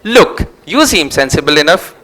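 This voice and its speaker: A combative, sardonic office bloke played by a man in a comic stage play. The voice is high and forceful with lively swings in pitch, always ready to argue. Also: moderate pace. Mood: argumentative. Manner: sardonic, argumentative. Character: combative, sarcastic office bloke with short temper. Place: live stage at a literature festival.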